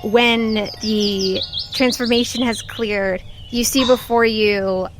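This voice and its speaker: A woman hosting as game master of a tabletop audio drama, narrating to listeners over a soft background bed. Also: fairly high pitch, steady tone, takes it slowly, music in the background. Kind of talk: narrating an actual-play game, then scripted credits.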